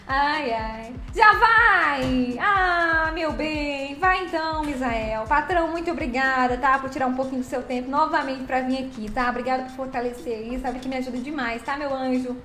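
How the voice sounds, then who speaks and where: A woman chats through a live stream, greeting each viewer by name and calling them her loves. Her voice sits high and bright. It rings in a roomy space with faint music underneath. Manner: chatty and affectionate, calls viewers by name and pet names.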